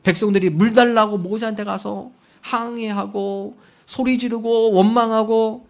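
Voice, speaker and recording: A male pastor preaches a Sunday sermon in a high, bright voice. He tells stories and acts out the quoted words of the people in them, pushing certain lines out loudly for emphasis. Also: fairly even intonation, measured pace, vocal fry. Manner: storytelling with acted quotes; rising to loud emphasis on key lines.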